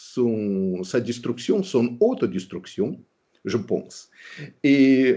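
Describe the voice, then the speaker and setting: In a dark, mellow tone with lively intonation, the speaker talks with a non-native accent against a quiet background. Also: man. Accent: foreign accent in French. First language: Russian (speaking French). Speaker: writer and academic. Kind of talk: interview. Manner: halting, many hesitations.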